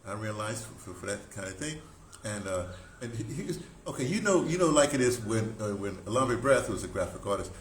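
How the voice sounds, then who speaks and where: An elderly man with a low voice, reminiscing casually about his past work. He wanders off and circles back, halting and then stressing his point firmly. The recording is quite echoey, with faint noise behind him. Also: animated. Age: 70s. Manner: digressive, halting, emphatic. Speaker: audio dramatist recounting theater history. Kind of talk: informal rambling storytelling to camera. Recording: roomy echo, background noise.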